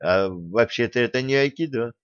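A man's voice: medium pitch, lively intonation, normal speed, clear, resonant tone, dry recording, lightly acted. A sheepish young martial arts student speaks in a subdued, mumbling way, voiced by a male reader. The recording is dry and a bit dull.

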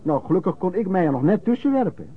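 An actor playing a rough, hard-drinking vagrant pedlar who reminisces in colloquial, old-fashioned, hesitant anecdotes in a Dutch radio play. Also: male voice, sits high, big pitch swings, fast talker, noisy background. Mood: agitated. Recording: dull, lo-fi radio play recording.

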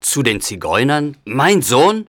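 Gruff storybook father, deep and stern, read by a man; dry, close read. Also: lively intonation, a little slow, a bit bright, dry recording. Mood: angry. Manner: gruff, scolding. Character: stern angry village father, middle-aged man. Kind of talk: audiobook story voice.

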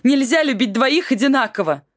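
A woman's voice: on the high side, a little fast, no echo, pitched above the performer's own voice, natural voice. Woman doing a heartbroken wife, tearful, pleading, raised voice, dry close sound. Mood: distraught.

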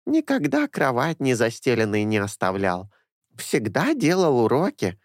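A man's voice: medium pitch, wildly swooping pitch, measured pace, dry recording, studio quality. A man voicing a talkative old woman in her sixties, a former caretaker who rambles fondly and confidingly.

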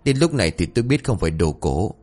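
A man's voice: fairly low pitch, big pitch swings, quick pace, darkish tone. A man voicing a grumbling, flustered old village man who stammers out excuses.

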